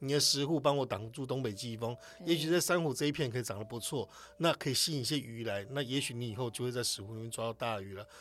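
A man at medium pitch, talking at a very fast pace with ordinary pitch variation. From Taiwan, Penghu islands. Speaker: foundation chairman and author. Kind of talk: interview.

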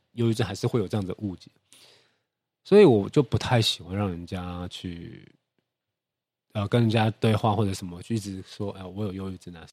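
A man with a dark, mellow tone and fairly low pitch talks at a fairly quick pace, leaving long, frequent pauses. His intonation is fairly even, while his loudness swings widely. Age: 30s. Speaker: guitar teacher sharing experience of depression. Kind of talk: personal testimony in interview.

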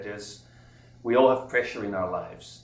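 A man's fairly quick pace of speech comes through noticeable background noise. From Netherlands. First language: Dutch. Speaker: voice teacher and performer. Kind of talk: interview. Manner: animated.

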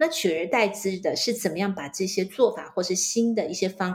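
In a Taiwanese accent, a woman talks at a moderate pace and a medium pitch, her voice somewhat breathy. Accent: Taiwanese Mandarin. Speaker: corporate trainer and podcast host. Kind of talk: interview.

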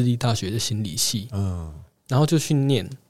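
Amid audible room echo, a man talks at a moderate pace in a medium pitch. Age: 20s. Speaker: university student, former juvenile offender. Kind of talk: personal testimony in interview.

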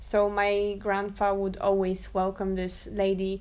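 A woman with a Polish accent speaks at a medium pitch and a fairly slow pace. Her intonation stays monotone and flat. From Poland. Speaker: podcast co-host. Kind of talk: casual chat.

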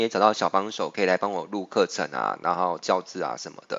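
A man in a Taiwanese accent talks at a fairly quick pace. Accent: Taiwanese Mandarin. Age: 40s. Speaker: podcast host, storyteller. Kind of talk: casual storytelling monologue.

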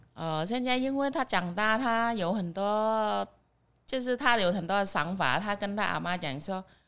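A woman speaks with a Vietnamese accent at a medium pitch, her intonation lively. The recording is very clean, with a silent background. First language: Vietnamese (speaking Chinese). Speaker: immigrant guest. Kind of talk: casual chat.

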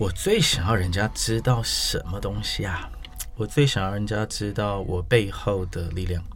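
With music in the background and audible room echo, a man talks at a fairly slow pace. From Taiwan. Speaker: political party leader and translation scholar. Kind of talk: interview.

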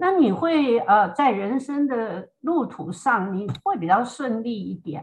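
A woman speaks very slowly in a fairly high pitch, her voice swinging very widely in pitch. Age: 80s+. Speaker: parenting author, retired executive. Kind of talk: interview podcast. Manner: hesitant, many fillers.

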